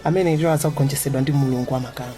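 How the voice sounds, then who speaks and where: A woman's voice: extremely low pitch, steady tone, racing. A Malawian actress playing a devout, earnest young bride-to-be chatting with her friend in a radio drama. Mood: trusting, confident. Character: devout born-again young bride-to-be, earnest bank worker. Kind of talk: radio drama dialogue in Chichewa with some English. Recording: music under the dialogue.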